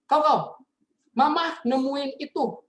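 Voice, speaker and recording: A man's voice: slow, fairly bright tone, reverberant, recorded from a distance, heavily acted. A man putting on the voice of his alarmed, scolding mother while telling a story. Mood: calling sternly. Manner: shrill, fussing, questioning. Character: alarmed scolding mother, middle-aged woman.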